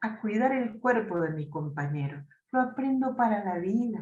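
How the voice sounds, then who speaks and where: Somewhat breathy and fairly high-pitched, a woman's voice makes very wide pitch swings amid audible room echo. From Argentina. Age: 70s. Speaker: theatre education professor. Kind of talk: lecture. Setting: video call.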